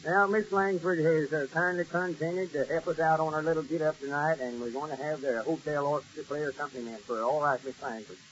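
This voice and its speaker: Folksy fellow acted by a man, proud, halting, fairly high-pitched, old radio comedy, muffled recording. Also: fairly even intonation, fairly bright tone, natural voice. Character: folksy small-town country fellow, proud and excitable. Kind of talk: 1930s radio comedy acting.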